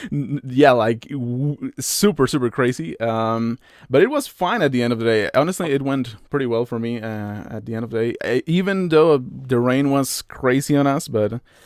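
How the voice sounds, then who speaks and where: Speaking with a Spanish accent at a moderate pace, a man uses a medium pitch and ordinary pitch variation with hardly any pauses, on a very clean recording with a silent background. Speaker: podcast host. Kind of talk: casual chat. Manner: halting.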